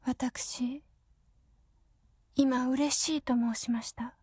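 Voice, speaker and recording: A wife brought back by an artificial heart, her high voice husky and breathy. She speaks flat and hushed, with nothing behind the words. Dry studio sound, faint music underneath. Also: extremely slow, dry recording, heavily acted. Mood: numb. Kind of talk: radio drama acting.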